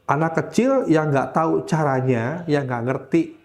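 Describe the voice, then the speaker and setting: A man recounting his childhood conversion in casual conversation, animated and often pausing to search for words. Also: on the high side. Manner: animated, acts out the voices of people in his story; searches for words with frequent fillers. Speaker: interview guest recounting a religious conversion.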